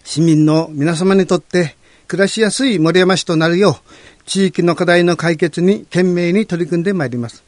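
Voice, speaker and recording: A man serving on a city council, giving a formal, polite prepared statement in a measured, earnest way. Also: sits high, no echo.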